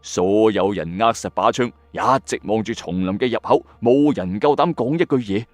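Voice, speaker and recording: A man's voice: on the low side, moderate pace, darkish tone, no room sound, soft background music. A man with a Hong Kong Cantonese accent telling a scripted horror story in a dramatic, suspenseful, colloquial way.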